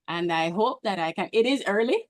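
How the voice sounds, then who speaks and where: A woman's voice: medium pitch, expressive, brisk, dry recording. Earnest woman on a dry video call. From Belize. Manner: earnest, hesitant restarts. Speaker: meeting guest. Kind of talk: casual online meeting comments.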